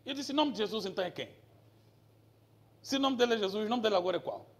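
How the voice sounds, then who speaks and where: A man, a pastor teaching from the Bible who moves between easy explanation and forceful preaching, asking the congregation questions. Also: sits high, lively intonation, quick pace. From Angola.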